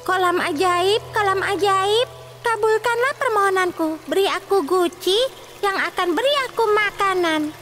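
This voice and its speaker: A woman's voice: very high voice, normal speed. A woman voicing a greedy, impulsive little princess with a childlike, pleading manner in a children's fairy tale cartoon.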